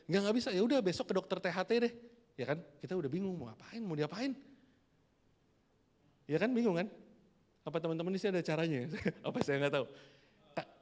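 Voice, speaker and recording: A male pastor, telling a family story in an animated sermon and acting out the dialogue. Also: sits high. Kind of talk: storytelling sermon to a youth service. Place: church hall. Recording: long hall reverb.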